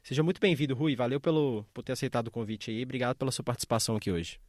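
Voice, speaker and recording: A man's voice: medium pitch, racing, darkish tone. A man hosts a podcast in an upbeat, friendly tone, asking open questions with a mid-range male voice. The sound is dry and close, with no room echo. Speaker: podcast host. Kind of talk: podcast interviewing.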